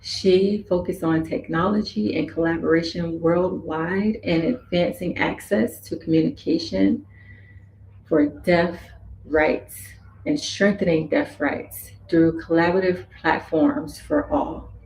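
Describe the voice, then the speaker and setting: A woman interpreter voicing a host's signed words, slow and measured, phrase by phrase. Her voice has a gravelly fry to it. It sits in an echoey room with faint ambient hum. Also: lowish voice, fairly even intonation, darkish tone.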